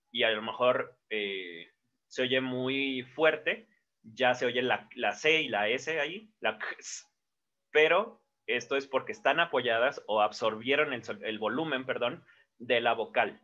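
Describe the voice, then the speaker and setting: A man's voice: medium pitch, sharp tone. A man, teaching a casual lesson at a board and explaining step by step with fillers and self-corrections. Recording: dull lo-fi sound.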